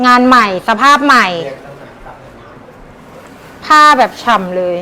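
High-voiced Thai woman live seller, faint noise. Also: expressive, takes it slowly, bright, forceful tone, poor audio. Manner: short punchy sales phrases addressed to customers. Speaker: live-stream seller of secondhand clothing bales. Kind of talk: Thai live-selling pitch, casual and promotional.

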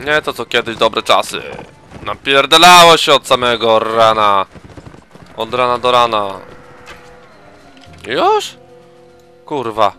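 A man's voice: medium pitch, takes it slowly, pauses often, bright, forceful tone, clean tone, faint music behind. A tired man giving crude casual gaming commentary, swearing heavily and throwing in mock battle cries. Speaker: let's play gamer.

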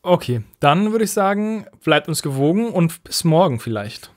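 A male podcast co-host chats casually. His voice is a little higher than most men's, recorded dry with no room sound. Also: big pitch swings, normal speed, no echo. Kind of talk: casual chat.

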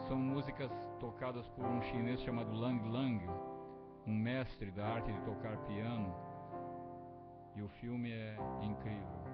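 An older man from Brazil muses in a rambling, unhurried way, close to a large studio microphone. The sound is dull and lo-fi, and loud music plays under his voice. His pitch sits at an ordinary middle height. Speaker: home radio host and musician. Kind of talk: casual spoken monologue. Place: small home room with a cloth backdrop.

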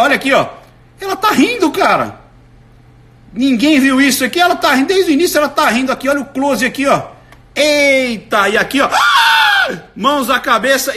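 A Brazilian man giving excited live commentary as a body language analyst, breaking into sudden shouts. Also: very high voice. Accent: Brazilian Portuguese.

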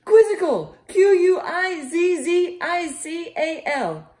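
A woman's voice: extremely high pitch, very animated, slow pace, darkish tone, pitched above the performer's own voice, exaggerated voice. A woman voicing an eager, overworked, cranky little girl bee in a children's storybook read-aloud. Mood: shouting.

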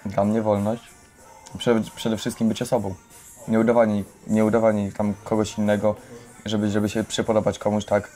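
Young man, low flat earnest voice. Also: normal speed, soft background music. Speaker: resident of a youth educational centre. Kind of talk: reflective informal testimony.

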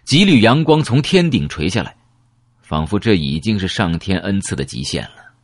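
A man's voice: low voice, big pitch swings, moderate pace, dry recording. A man reading a novel aloud in dramatic first person, telling the story vividly and expressively into a close mic. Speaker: audiobook narrator.

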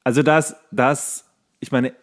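A man's voice: mid-range voice, fairly even intonation, unhurried. A man co-hosting a podcast, giving casual, colloquial reaction commentary with lots of questions. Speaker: podcast co-host.

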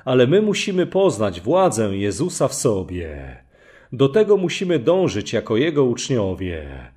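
A man preaching in a slow, deliberate way. His pitch rises and falls widely, leaning hard on key phrases as he reads scripture aloud. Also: wildly swooping pitch, darkish tone. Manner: slow, emphatic preaching with Bible readings. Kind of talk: sermon.

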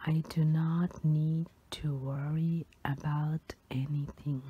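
Slow, breathy woman's whispered pep talk. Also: low-pitched, narrow, tinny audio. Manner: whispered pep talk, slow, soothing first-person affirmations. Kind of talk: whispered ASMR affirmation meditation.

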